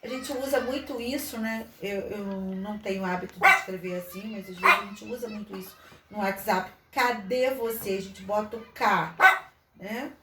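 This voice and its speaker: A woman walks through a literacy handout in an online lesson at a moderate pace, her mid-range voice full of fillers and restarts as she thinks aloud. The mic sits far away, leaving her off-mic in an echoey room with faint noise.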